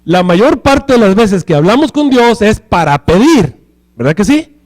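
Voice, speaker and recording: High-voiced pastor preaching a sermon. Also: male voice, sing-song, measured pace, darkish tone. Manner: keeps asking the congregation rhetorical questions.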